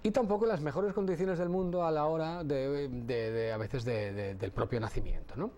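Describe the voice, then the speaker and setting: Catalan-born man, calm and explanatory. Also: a little high. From Catalonia, Spain. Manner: measured, explanatory, with hesitant restarts. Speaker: audiologist guest. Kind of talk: TV interview.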